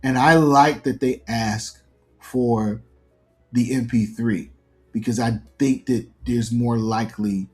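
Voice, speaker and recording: A man's voice: medium pitch, fairly even intonation, slow pace, darkish tone, faint music behind. Earnest man in his forties, interview guest. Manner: earnest, reflective, explains at length. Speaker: interview guest, fiction podcast creator. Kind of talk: conversational interview answers.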